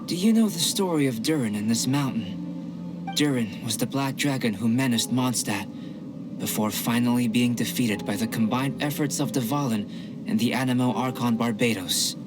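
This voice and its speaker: Actor for a calm, analytical young alchemist: formal, even delivery, music underneath. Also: male voice, medium pitch, moderate pace, close to an everyday voice. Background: game music.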